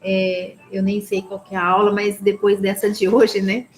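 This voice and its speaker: A woman's voice: medium pitch, completely flat delivery, normal speed, rough recording. A woman with a Brazilian Portuguese accent teaching a live online women's ministry Bible class, earnest and full of blessings, with frequent "amen?" tag questions. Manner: peppers speech with "amen?" and "né?" tags; earnest, blessing-filled preaching tone.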